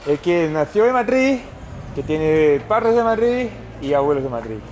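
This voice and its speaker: A man's voice: a little high, sing-song, a little slow, a little mellow. A man from Brazil with a Brazilian accent, a native Portuguese speaker, chatting casually as he hosts a street travel vlog. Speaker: travel vlogger, host. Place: city streets, outdoors. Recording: busy street crowd noise.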